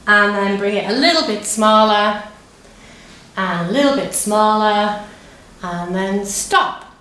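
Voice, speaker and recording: A woman drama teacher guiding a physical warm-up step by step, with simple, repeated, encouraging instructions. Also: mid-range voice, slow. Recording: echoey room, distant microphone.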